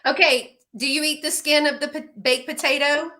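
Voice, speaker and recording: A woman's voice: high voice, steady tone, a crowd in the background. A woman with a Texas accent hosting a casual live video chat, reading out viewer comments and chatting with friends. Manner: chatty, lists things off quickly.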